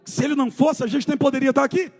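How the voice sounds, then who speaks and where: A man preaching a sermon at a church service, with fervent delivery that swings from shouting to hushed storytelling. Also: very high-pitched, steady tone, racing, vocal fry, faint music behind. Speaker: pastor.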